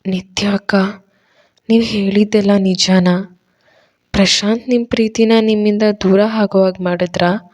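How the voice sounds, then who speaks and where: A woman's voice: medium pitch, steady tone, measured pace, pauses often, a little mellow, natural voice. A woman voicing an earnest young woman who pleads tearfully with an older friend. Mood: pleading.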